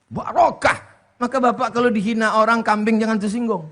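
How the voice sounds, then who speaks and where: A man's voice: sits high, fairly even intonation, a little fast, fairly bright tone. A man giving a humorous sermon as a preacher, telling jokey stories and putting on voices. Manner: jokey storytelling with mimicked voices and sung lines.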